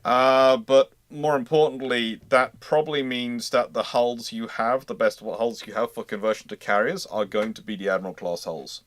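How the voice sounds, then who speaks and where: A man hosting a casual live question-and-answer stream, explaining as an expert in a halting way, often repeating and rephrasing mid-thought. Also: medium pitch, fairly even intonation.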